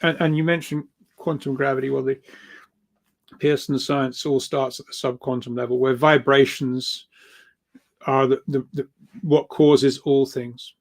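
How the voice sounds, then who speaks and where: Man, interview guest, long explanations, halting repeats and restarts, mid-pitched, earnest enthusiasm. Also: flat delivery. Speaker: guest speaker and researcher. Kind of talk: interview answer, explaining at length.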